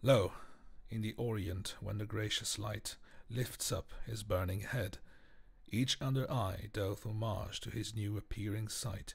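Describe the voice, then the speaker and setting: In a monotone, flat intonation, a man speaks at a fairly slow pace with a fairly low pitch and a somewhat breathy voice. The recording is very clean, with a silent background. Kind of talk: poetry reading.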